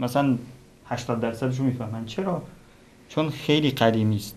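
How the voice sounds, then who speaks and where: A man talks at a medium pitch and a moderate pace. Audible room echo surrounds his voice. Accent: Tajik. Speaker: TV host. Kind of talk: interview discussion.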